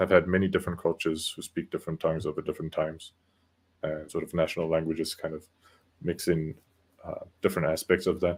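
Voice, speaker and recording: Speaking with a South African accent, a man talks at a very fast pace. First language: Afrikaans. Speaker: study group member. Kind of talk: casual discussion. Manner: halting.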